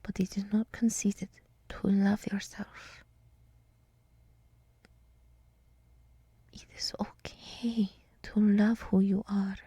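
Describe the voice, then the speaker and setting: Woman acting a gentle deer woman, slow breathy whispering, soft and dark tone, earnest encouragement, close dry ASMR roleplay. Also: mid-range voice, level tone, no echo. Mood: earnest, encouraging.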